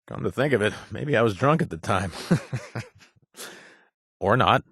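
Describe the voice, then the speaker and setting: A man's voice: lowish voice, expressive, unhurried, a bit bright, husky, no echo, exaggerated voice. An actor playing a playful, flirtatious male companion in a video game, recorded dry in a studio. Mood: flirty.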